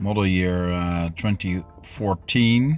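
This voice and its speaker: A man with a Dutch accent speaks with ordinary pitch variation over music in the background. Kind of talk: DIY car tutorial narration.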